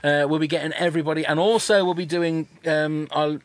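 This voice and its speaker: A man's voice: on the high side, fairly even intonation, brisk, slight background noise. A man hosting a podcast in casual chat, thanking his guests and signing off the episode. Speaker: podcast host.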